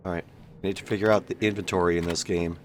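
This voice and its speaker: A man's voice: low voice, steady tone, racing, faint music behind. A man giving casual, wry game commentary on a stream, his voice tired and under the weather. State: sick, tired voice after hours of streaming. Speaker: streamer and voice actor.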